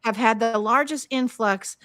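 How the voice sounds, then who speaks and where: A woman co-hosting a political talk show, agreeable and quick to chime in with short replies. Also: fairly high pitch, a bit bright. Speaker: co-host.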